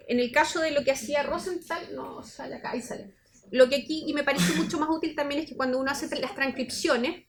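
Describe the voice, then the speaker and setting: A woman's voice: high voice, a little hiss or hum. A woman researcher giving an academic seminar talk, explaining her method step by step and thinking aloud as she goes. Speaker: university researcher presenting at a seminar.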